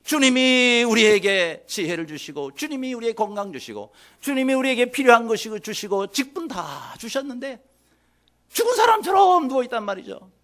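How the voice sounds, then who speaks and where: A middle-aged man, a senior pastor, preaching a sermon dramatically, swinging between soft asides and loud calls and leading the congregation in call and response. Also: extremely high pitch, big pitch swings, moderate pace, few pauses.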